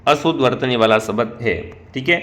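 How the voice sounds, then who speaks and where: Bright-voiced Hindi exam-prep teacher. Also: male voice, mid-range voice, fairly quick. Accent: Rajasthani Hindi. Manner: asks the class questions, then answers them himself; keeps calling out to the viewers as friends. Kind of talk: quiz-style lesson on Hindi spelling.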